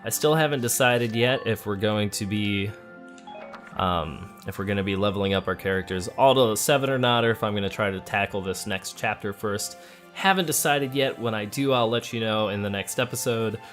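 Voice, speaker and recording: Low-voiced man doing casual game commentary. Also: normal speed, a bit bright. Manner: thinks aloud, conversational. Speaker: let's play host. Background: game music.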